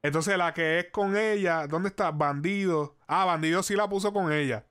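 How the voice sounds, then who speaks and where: A man's voice: high voice, moderate pace, a bit bright, smooth. A man hosting a casual chat, rambling and restarting his sentences, swearing casually.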